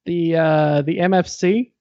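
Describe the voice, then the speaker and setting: A man co-hosting a games podcast, easygoing and quick to laugh. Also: a little high, fairly even intonation, darkish tone, no room sound, dull audio. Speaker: podcast co-host. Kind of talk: casual chat.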